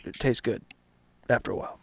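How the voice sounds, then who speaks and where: A man's voice: fairly quick, sharp tone, no room sound, close to an everyday voice. A man playing an offhand, dad-like bourbon drinker. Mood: friendly, offhand.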